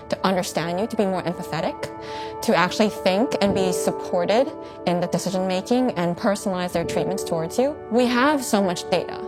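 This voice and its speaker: A woman with a mid-pitched voice gives an emphatic, passionate testimonial in a corporate video, with music clearly behind her.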